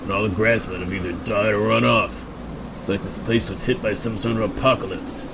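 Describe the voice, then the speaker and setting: A man's voice: on the low side, steady tone, creaky, background noise. A man playing a suspicious, desperate backwoods drifter with a folksy, accusing manner in an amateur radio drama. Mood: bitter. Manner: folksy, accusing, drawn-out taunting.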